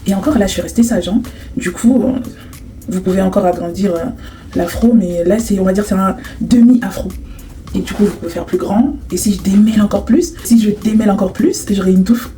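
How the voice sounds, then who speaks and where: A woman's voice: mid-range voice, a little fast, mellow, a little hiss or hum. A woman vlogging casually to camera in a sassy, teasing way, laughing often. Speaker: hair vlogger.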